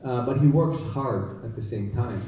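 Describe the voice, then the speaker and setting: A Filipino actor at a press conference, answering thoughtfully in mixed English and Tagalog with many fillers. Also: male voice, mid-range voice, expressive, normal speed, highs cut off. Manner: reflective, many fillers and restarts. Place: large theater stage. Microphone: handheld mic heard through hall speakers. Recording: echoey hall from far off.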